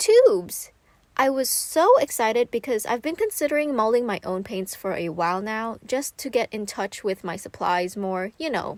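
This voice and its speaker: In a dry, close sound with no echo, a woman with a Thai accent speaks with very wide pitch swings. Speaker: watercolor artist and YouTuber. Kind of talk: scripted voiceover tutorial.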